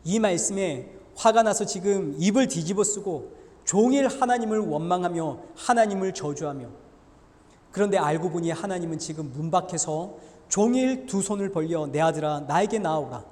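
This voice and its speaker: A male pastor preaching a sermon in an animated way, swelling with force as he acts out the voices he quotes. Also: sits high, moderate pace. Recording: echoey church hall reverb.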